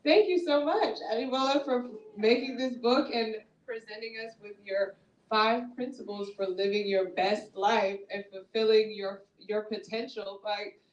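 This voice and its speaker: A woman's voice: a little high, steady tone, measured pace, lo-fi sound. A woman hosting a small book event, upbeat and laughing as she introduces the author. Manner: upbeat, laughs often, reads the bio. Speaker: event host. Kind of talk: introducing a guest speaker. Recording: echoey room from a distance.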